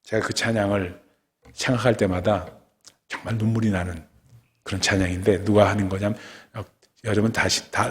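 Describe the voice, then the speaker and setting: A man preaching a dawn prayer sermon as pastor, telling the story vividly and swinging between loud and hushed delivery. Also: low-pitched. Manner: storytelling, acts out quotes with sudden loud and soft swings. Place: church sanctuary. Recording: long church hall reverb.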